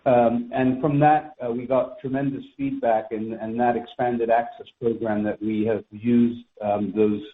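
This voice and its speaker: A man speaking as a company executive on a conference call, formal and measured, choosing his words carefully. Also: mid-range voice, level tone, phone-quality sound. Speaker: company executive answering analysts. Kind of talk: spontaneous business Q&A on a conference call. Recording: echoey, thin telephone conference line.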